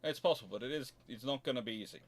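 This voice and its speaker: A man hosting a casual livestream, chatting in a halting, digressive way with wry, mildly sarcastic asides. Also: medium pitch. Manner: halting, digressive, self-interrupting. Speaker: livestream host answering chat. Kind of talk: casual rambling livestream chat.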